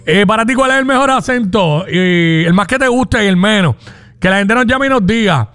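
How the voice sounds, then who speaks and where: A man with a high voice and a Puerto Rican accent hosts a call-in radio show. He jokes and teases his way through casual banter with his co-host and callers. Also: lively intonation, moderate pace, a bit bright, smooth. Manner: joking, teasing.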